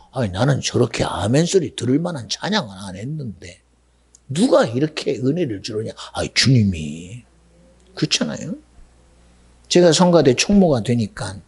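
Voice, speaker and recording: A pastor delivering a sermon in a lively, conversational way, often asking his congregation questions. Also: mid-range voice, vocal fry, husky. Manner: animated, conversational preaching with rhetorical questions. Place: church sanctuary.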